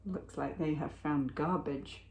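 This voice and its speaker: Lady teacher reading a kids picture book, really slow, slightly low voice, expressive with pauses. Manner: expressive, deliberate storytelling with dramatic pauses. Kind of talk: children's picture book read-aloud.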